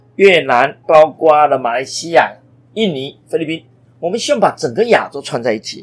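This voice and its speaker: This man talks at a moderate pace with lively intonation and a plain, everyday voice. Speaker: gallery association chairman. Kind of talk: panel discussion.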